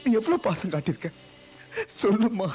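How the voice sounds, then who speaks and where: A man's voice: sits high, big pitch swings, normal speed, a little mellow, lo-fi sound, faint music behind. An actor playing a grown son who pours out bitter, anguished words about his birth mother. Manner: passionate, anguished outbursts.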